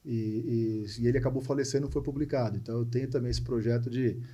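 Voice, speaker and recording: A man's voice: medium pitch, fairly even intonation, fast talker, mellow. A man in his forties with a São Paulo coast Brazilian accent, telling personal stories conversationally, repeating words for emphasis and often tagging phrases for agreement. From Santos, coastal São Paulo, Brazil. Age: 40s. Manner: emphatic repetitions and frequent tag questions seeking agreement. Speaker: podcast guest, entrepreneur and speaker.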